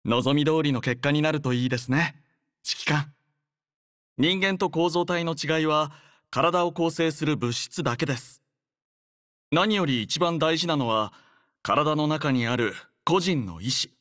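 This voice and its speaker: A man voicing a courteous, earnest young android soldier in an anime game, speaking in a polite, formal, measured manner. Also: fairly high pitch, a bit bright, dry recording, studio quality. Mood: earnest, reflective. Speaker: game character voice. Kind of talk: scripted anime game voice lines.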